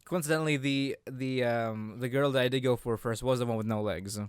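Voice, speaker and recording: A man's voice: mid-range voice, brisk, clean tone, no room sound, studio quality. A man in his twenties co-hosting a casual unscripted chat, rambling and often repeating his words. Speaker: podcast co-host.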